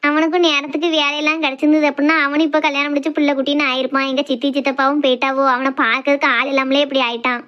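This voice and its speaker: A village mother, as a woman puts her on. She speaks in a soothing, consoling way with a high voice. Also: little pitch movement, very fast, hardly any pauses, dull audio, close to an everyday voice. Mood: earnest. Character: fretting village mother of the bride.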